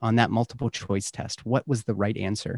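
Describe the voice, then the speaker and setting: Recorded very cleanly with a silent background and a dry, close sound with no echo, a man speaks fairly quickly at a medium pitch. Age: 30s. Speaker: medical doctor. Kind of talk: interview conversation. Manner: halting, with fillers.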